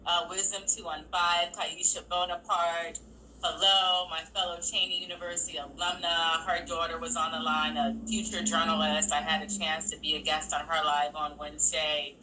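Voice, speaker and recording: A woman hosting a casual interview, sending friendly shout-outs to listeners. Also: deep voice, little pitch movement, moderate pace, a little hiss or hum, rough recording. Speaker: host. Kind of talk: casual chat.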